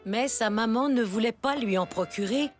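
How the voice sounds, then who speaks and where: A woman playing a gentle storybook narrator, telling a scripted story for small children. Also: a little high, moderate pace, faint music behind, lightly acted. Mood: gentle storytelling.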